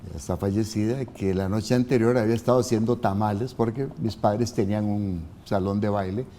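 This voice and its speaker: A man in his seventies from Costa Rica speaks in a calm, measured, storytelling way. His voice is low and warm. A faint hum of room noise sits behind him. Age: 70s. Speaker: guest. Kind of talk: interview answers.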